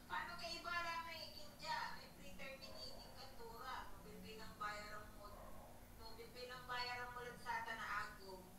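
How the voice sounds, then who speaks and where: A woman with a high voice chats informally, often pausing as she thinks aloud. The recording is very echoey and noisy, and she sounds away from the microphone. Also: far from the mic. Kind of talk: casual chat about loan payments and charges.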